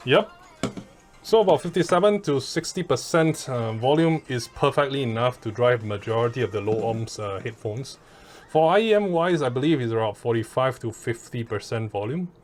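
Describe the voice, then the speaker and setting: A man with a Southeast Asian accent talks through an audio gear review in a casual, informal style. His pitch sits in the middle for a man, and his delivery is blunt and loosely sweary. Faint music plays behind him. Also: expressive, normal speed. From Southeast Asia.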